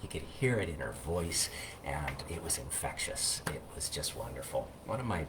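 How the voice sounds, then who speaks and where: A man with a low-pitched voice talks in the reflective, unhurried-sounding manner of a minister sharing poetry. He pauses and hesitates as he goes. The mic is some distance away, with clear noise behind him. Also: very animated. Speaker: Unitarian Universalist minister. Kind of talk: informal video talk with poetry reading.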